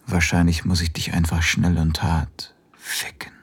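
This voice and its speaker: A dominant, very deep-voiced lover. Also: male voice, monotone, a little slow, slightly rough, exaggerated voice. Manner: commanding, low murmured whispers. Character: dominant male lover, an adult professor. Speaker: voice actor in an erotic audio drama. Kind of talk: intimate audio drama acting.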